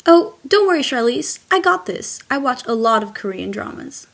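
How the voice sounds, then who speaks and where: A woman's voice: sits high, sing-song, normal speed, vocal fry, full character voice. A woman playing an eager, naive young volunteer in an amateur theater skit, speaking earnestly. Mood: eager, dreamy.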